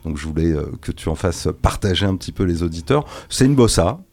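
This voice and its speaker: A man with a very low voice presents a jazz radio programme from a studio. He talks haltingly, full of little fillers and restarted phrases. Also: expressive, darkish tone. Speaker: radio jazz show host.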